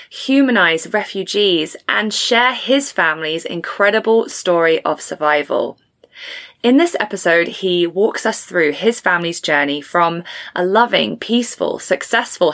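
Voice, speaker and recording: An upbeat English woman from England hosting a podcast, a little hoarse from a head cold. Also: mid-range voice, fairly bright tone. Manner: upbeat and eager. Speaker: podcast host. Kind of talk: podcast intro and interview chat.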